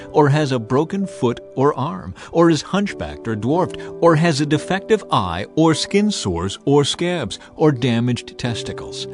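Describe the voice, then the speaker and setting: A man narrating scripture as a dramatized audio reading, solemn, measured and authoritative in his delivery. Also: medium pitch. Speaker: Bible narrator.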